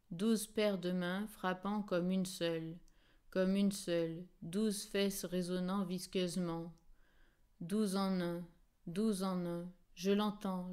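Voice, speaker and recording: A woman reading a novel aloud as an audiobook narrator, in a measured and expressive way. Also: on the low side, clear, resonant tone. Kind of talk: scripted literary narration.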